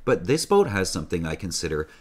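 A man's voice: low-pitched, sing-song, fast talker, breathy edge. A man in his forties hosting a sailing channel, talking casually and enthusiastically to a desk camera in a small room. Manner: enthusiastic, joking, conversational. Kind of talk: casual video presentation.

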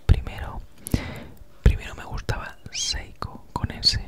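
Whispering Spanish woman right in your ear. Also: measured pace. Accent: Spanish from Spain. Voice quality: breathy unvoiced whisper; noticeable, characteristic S sound. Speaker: ASMR creator. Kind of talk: whispered ASMR, rambling casual chat. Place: small home room, indoors. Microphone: handheld recorder with foam windscreen, very close.

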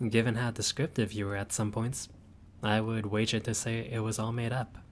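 A man's voice: flat delivery, moderate pace, a little hiss or hum, close to an everyday voice. A man voicing a friendly, laid-back male vampire host with dry teasing humor in a roleplay audio. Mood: wry. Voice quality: low voice, dry teasing humor, grandly theatrical at times.

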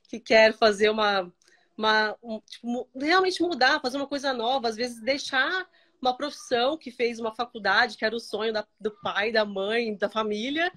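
A woman's voice: fairly high pitch, fairly bright tone. A woman from Brazil, a guest influencer, telling stories in casual chat over a video call from her bedroom. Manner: chatty, storytelling, many fillers. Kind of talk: casual live-stream chat. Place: bedroom at home. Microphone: home video call.

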